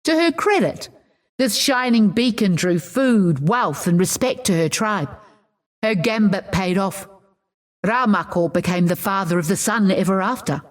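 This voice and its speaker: A woman playing a proud, opinionated tribal warrior, recounting her people's myths in a measured, assured way for a game. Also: medium pitch, expressive, natural voice. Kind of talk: scripted in-character lore narration.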